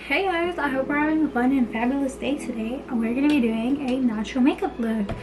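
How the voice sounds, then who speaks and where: A woman's voice: high voice, fairly quick, over loud music, low-quality recording. A young woman chatting playfully through a casual makeup tutorial in a bedroom, her speech slightly slurred by a retainer. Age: young adult. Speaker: beauty vlogger. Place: small bedroom indoors.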